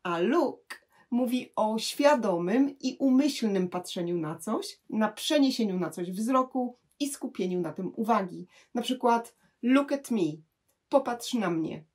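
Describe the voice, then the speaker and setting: A woman with a slightly husky voice explains grammar to learners. She speaks patiently and slows down to say each English example clearly. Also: on the high side, animated, a little mellow. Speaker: English teacher.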